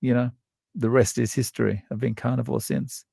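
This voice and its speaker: Australian male guest, low and very gravelly, halting and thoughtful delivery, dry close sound. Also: fairly even intonation, mellow, no echo. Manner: halting, thoughtful, many restarts and fillers. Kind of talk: casual interview conversation.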